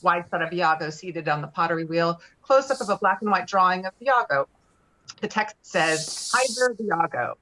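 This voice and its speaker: A woman's voice: fairly low pitch, a bit bright, a little hiss or hum, low-quality recording. A woman reading screenplay directions aloud at a table read in clipped, descriptive phrases. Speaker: stage directions reader.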